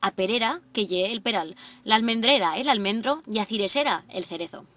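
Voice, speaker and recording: A woman presenting a language lesson, reading example words slowly and deliberately. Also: mid-range voice, fairly bright tone, distant mic. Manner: clear, deliberate word-by-word reading. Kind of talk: scripted lesson narration.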